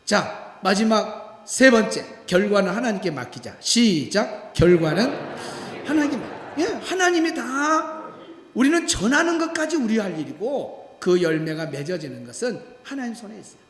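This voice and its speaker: In an echoey church sanctuary, a male pastor with a high voice preaches at a moderate pace. His sermon is animated storytelling, and he acts out the voices of the people in his stories.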